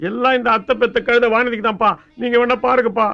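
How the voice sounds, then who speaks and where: A man's voice: very high voice, flat delivery, gravelly. An actor playing a cheeky, lovestruck young man in a film comedy, rattling off excuses. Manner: fast, excuse-making, cheeky. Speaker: nephew and son. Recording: dull lo-fi film audio.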